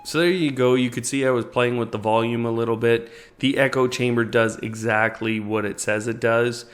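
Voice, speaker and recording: A man with a mid-range, steady voice hosts a tech tutorial at a moderate pace. As a tech reviewer, he casually narrates a product demo, walking through the setup step by step.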